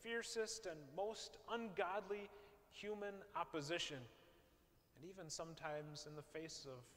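High-voiced pastor preaching in a reverberant church. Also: male voice, fairly bright tone. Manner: measured preaching with rhetorical questions. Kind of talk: sermon. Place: large church sanctuary, preaching from a pulpit. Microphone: far camera, pulpit mic. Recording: long church reverb, faint hiss.

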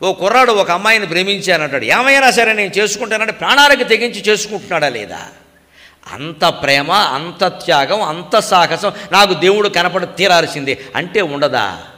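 An older man with a Telugu accent giving a spiritual discourse in Telugu, now and then chanting Sanskrit verses slowly in a sing-song. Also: sits high, expressive, pushed and bright. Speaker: spiritual speaker. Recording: long hall reverb.

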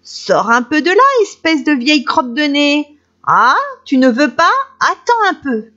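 A woman's voice: high-pitched, sing-song, a little slow, pushed and bright, pitched above the performer's own voice, exaggerated voice. A woman voicing a rude, grumpy little girl in a black hood, bossy and scornful, in a storybook reading. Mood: taunting. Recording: dull lo-fi recording, faint music.

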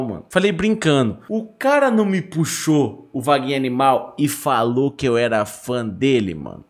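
A man, doing slangy, joking reaction commentary from a home streaming room on a boom mic. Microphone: studio mic on a boom arm.

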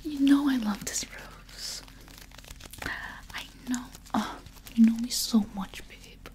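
A woman's voice: on the high side, slow pace. A woman in her twenties whispering a chatty, playful ASMR roleplay up close to the microphone. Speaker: ASMR video creator.

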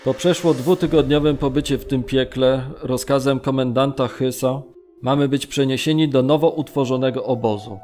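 An actor reading as a Polish camp prisoner bearing witness in an audio drama, sombre, earnest and measured. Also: male voice, mid-range voice, steady tone, warm tone, natural voice. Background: music.

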